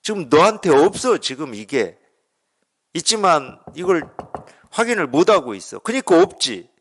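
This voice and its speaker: A man's voice: fairly high pitch, sing-song, normal speed, fairly bright tone. A man from Korea giving a Buddhist dharma talk as a Zen teacher, conversational, asking rhetorical questions and acting out the dialogue.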